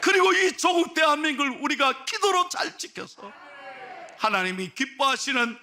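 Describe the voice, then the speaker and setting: A high-pitched, gravelly voice belongs to a middle-aged pastor, preaching to his church. His tone is bright and edged, and he drops to hushed storytelling before rising into loud exhortation. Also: lively intonation, moderate pace, slight background noise. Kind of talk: sermon. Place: church sanctuary.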